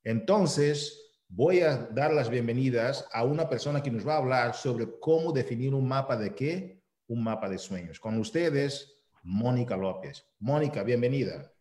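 A man's voice: mid-range voice, expressive, a little slow, darkish tone, roomy sound. A man hosting a motivational call, praising the team and introducing a guest speaker in an upbeat, announcer-like way. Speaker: host of a weekly call.

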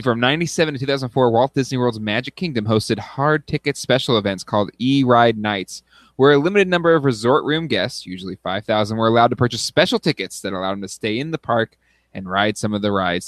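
A man's voice: mid-range voice, lively intonation, fairly quick, a bit bright, no room sound, studio quality. A man in his thirties co-hosting a casual chat, hesitant with many fillers. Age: 30s. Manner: hesitant, lots of fillers, reads aloud. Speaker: podcast co-host.

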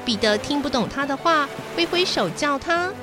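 High-voiced woman telling a bedtime story. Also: animated, normal speed. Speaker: children's story show host and narrator. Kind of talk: expressive children's bedtime storytelling. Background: background music.

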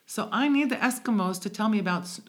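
In a conversational interview, a US-born woman who grew up speaking English and Hebrew talks fast in a mid-range voice. Her manner is thoughtful and searching, marked by restarts.

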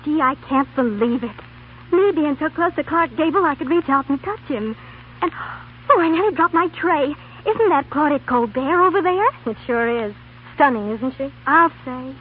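A chatty, gushing young waitress in a 1930s radio ad. Her voice is high and slangy, squeezed through a tinny, hissy old broadcast. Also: animated, moderate pace. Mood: gushing, chummy. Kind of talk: 1930s radio advertisement dialogue.

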